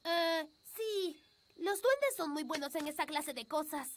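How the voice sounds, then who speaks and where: A woman's voice: sits high, lively intonation, measured pace, very noisy. A woman voicing an eager, helpful and plucky little elf boy in a children's cartoon dub. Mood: proud. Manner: earnest, boyish, plucky. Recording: prominent music behind the voice.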